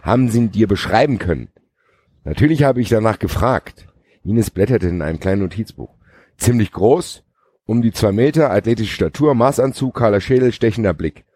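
A low-pitched man with a husky edge reads a crime novel aloud to his podcast co-hosts. He stumbles, restarts, and breaks off to mock the prose. The sound is dry and close. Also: expressive, dark tone, no room sound. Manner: reads aloud haltingly, laughing at the text. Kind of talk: casual reading with jokey asides.

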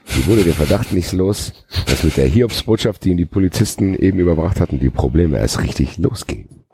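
A man's voice: low voice, lively intonation, fairly quick, noisy background. A man hosting a podcast, reading a novel aloud with joking asides. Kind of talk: casual read-aloud with banter.

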